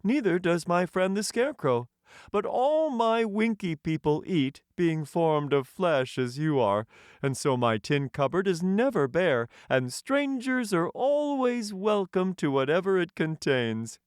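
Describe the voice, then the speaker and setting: A proud storybook tin emperor, speaking very high with a lilting, swooping delivery. He is courtly and self-satisfied, and words everything formally and grandly, as in an audiobook fairy tale. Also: sing-song, unhurried, clear, resonant tone, no room sound, studio quality. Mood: gracious. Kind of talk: audiobook character voice.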